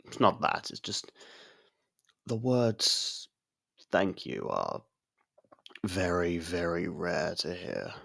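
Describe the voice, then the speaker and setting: A man playing an aloof centuries-old vampire who grudgingly cares for a human, in an intimate ASMR roleplay, gravelly, husky and measured with a slightly haughty, halting delivery. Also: sits low, huge pitch swings, a bit bright, heavily acted. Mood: awkward, haughty.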